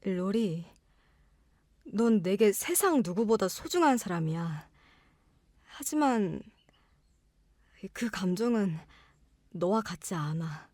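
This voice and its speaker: An independent young woman in a literary audio drama. She speaks slowly and sincerely, with a hesitant, heartfelt manner. The sound is dry, with no room on it. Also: medium pitch, expressive, dark tone, no room sound. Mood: sorrowful, resolute. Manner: slow, hesitant, heartfelt delivery.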